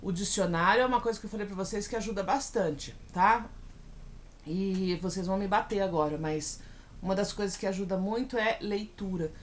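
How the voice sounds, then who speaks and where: A woman with a Brazilian Portuguese accent teaching in a recorded video lesson, slowly spelling out example words and often checking in with her students. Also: medium pitch, a little hiss or hum. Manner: checks in with frequent "tá bom?".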